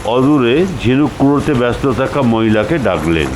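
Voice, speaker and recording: Brief: older storyteller, lively melodic reading, noticeable hiss behind. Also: male voice, mid-range voice, echoey room, in a large hall. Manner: expressive, unhurried reading with acted voices. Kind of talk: reading a ghost story aloud. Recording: background noise.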